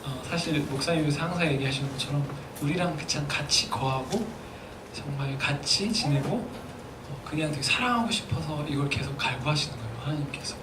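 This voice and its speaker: A man's voice: a little high, brisk, noisy background. Chatty young man preaching a sermon. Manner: chatty, asks the congregation questions, acts out quoted lines. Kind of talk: casual conversational sermon. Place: church sanctuary.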